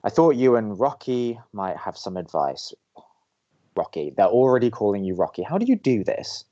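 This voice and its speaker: Young American man, sulky deadpan student DJ, low pitch with lively swings, slightly dull recording. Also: moderate pace. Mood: exasperated. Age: young adult. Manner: deadpan, reluctant, exasperated. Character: grumpy, sarcastic young male college radio co-host. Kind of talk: audio drama dialogue as banter.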